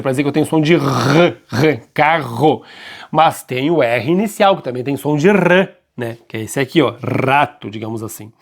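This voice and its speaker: A man with a slightly high voice teaches grammar in a lively classroom manner. He keeps checking that his students follow, and he slows right down to stress the points they should write down. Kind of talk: classroom-style grammar lesson.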